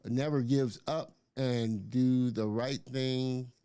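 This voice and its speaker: A man's voice: mid-range voice, steady tone, takes it slowly, warm tone, clean tone, no room sound. A man hosting a live interview show, upbeat and chatty, with lots of filler words as he reads out viewer comments. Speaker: host.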